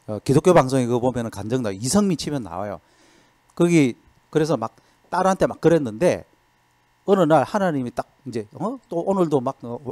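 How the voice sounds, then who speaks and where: A man giving a motivational sales lecture in a lecture hall, lively and constantly asking the audience rhetorical questions. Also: on the high side. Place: lecture hall at a training center.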